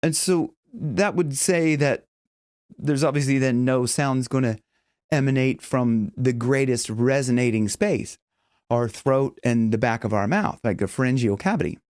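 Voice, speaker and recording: A man's voice: mid-range voice, unhurried, darkish tone, no echo, studio quality. A middle-aged man giving an instructional voice lesson as a vocal coach, explaining things step by step. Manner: demonstrates with hums and sung tones. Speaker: vocal coach and professional singer.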